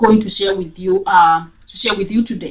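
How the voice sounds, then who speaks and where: A woman speaks at a medium pitch with a Kenyan accent. Her voice is somewhat breathy. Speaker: network marketing trainer. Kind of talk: webinar training. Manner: hesitant fillers (uh).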